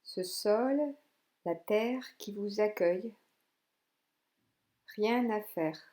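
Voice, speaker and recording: Female yoga nidra guide: soothing and gentle, very slow delivery, mellow timbre. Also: medium pitch. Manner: soothing, gentle, unhurried instructions with pauses. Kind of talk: guided relaxation meditation.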